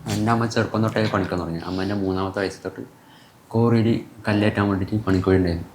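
A man's voice: on the low side, steady tone, very fast, darkish tone. A nineteen-year-old man, a vlogger answering interview questions in rambling, self-correcting sentences with many fillers. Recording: echoey room with faint background noise.

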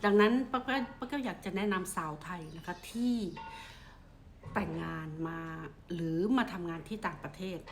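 A middle-aged woman from Thailand talks to camera in a casual advice vlog, her voice sitting a little low. She keeps a polite, measured pace and softens nearly every phrase with a gentle courteous ending. A faint ambient hum runs beneath her. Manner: polite, ends almost every phrase with a soft "na kha", measured and steady. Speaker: vlogger giving advice.

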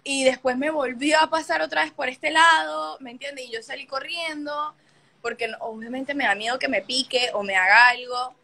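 A young woman hosting a livestream and telling a story in a casual, animated way. Her voice is bright and forceful and sits fairly high. She swears freely and acts out each scene. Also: normal speed, gravelly. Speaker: livestream host.

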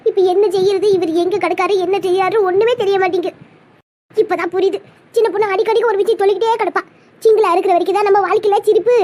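A woman's voice: very high voice, darkish tone. A woman voicing an anxious, emotional young fiancée in a cartoon, with a fretful, pleading way of talking. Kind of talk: cartoon comedy voice acting.

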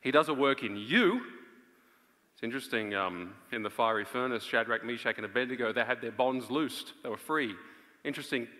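A man in his thirties preaching an earnest, emphatic live sermon with dramatic pauses on a large auditorium stage. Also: medium pitch, sharp tone. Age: 30s. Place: on stage in a large theatre before an audience. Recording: reverberant large auditorium sound.

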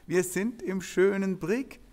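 A man's voice: high voice, takes it slowly, a little mellow. A man playing an easygoing small-town police detective in an audio drama, speaking in a familiar, colloquial way. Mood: easygoing, teasing. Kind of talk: German audio drama acting.

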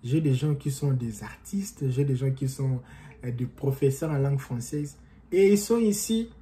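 A young man with an accent, talking to camera in an animated, rambling motivational vlog from a small room at home. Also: mid-range voice, moderate pace, slight background noise. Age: young adult. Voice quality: non-native-sounding French accent, by his own account. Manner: animated, gesturing, rambling with restarts. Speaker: motivational vlogger. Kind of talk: casual motivational talk to camera.

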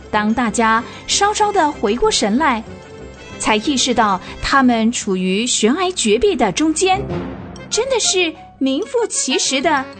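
A woman narrating a children's radio drama in an expressive storytelling manner. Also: high-pitched, full character voice.

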